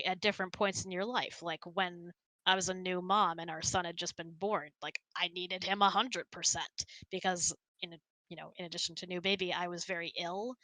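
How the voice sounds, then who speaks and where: A woman's voice: medium pitch, sharp tone, dry recording, poor audio. A middle-aged woman hosting a casual, candid chat and giving relationship advice in an informal way. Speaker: host.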